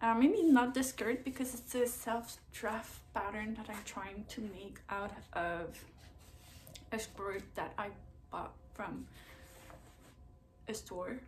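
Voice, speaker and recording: Amid noticeable background noise and audible room echo, a woman with a fairly high pitch speaks very slowly, with long, frequent pauses and big swings in loudness. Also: ordinary pitch variation. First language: French. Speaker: sewing vlogger. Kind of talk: casual chat. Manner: halting.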